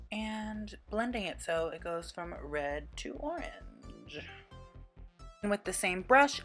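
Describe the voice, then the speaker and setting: Female tutorial presenter, lowish pitch, casual and chatty voice-over with quirky informality, music behind. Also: a bit bright.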